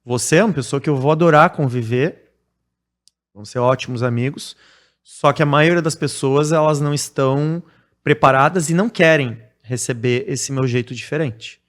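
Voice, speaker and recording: A man from Brazil, a podcast guest talking casually in a blunt, direct way and growing animated when he explains. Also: mid-range voice, normal speed. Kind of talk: casual conversation.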